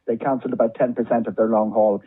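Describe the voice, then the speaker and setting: A man's voice: medium pitch, level tone, quick pace, slightly rough, narrow, tinny audio. A man with an Irish accent, a travel journalist giving conversational, discursive commentary as a guest, often repeating words for emphasis.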